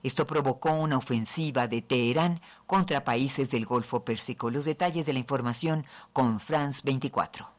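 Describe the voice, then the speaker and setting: A man reading the news as a radio anchor, in a measured, formal delivery. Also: mid-range voice.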